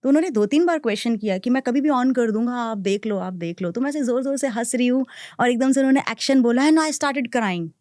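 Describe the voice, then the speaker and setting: A woman's voice: sits high, fast talker, no room sound, studio quality. A woman actress, a guest in a podcast interview, telling stories and switching freely between Hindi and English. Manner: animated, acts out others' quotes.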